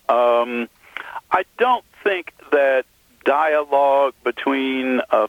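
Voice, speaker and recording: A man, an author guest on the phone, speaking thoughtfully and haltingly with many fillers. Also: mid-range voice, creaky, dry recording. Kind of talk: phone interview. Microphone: telephone. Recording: tinny phone line, dry.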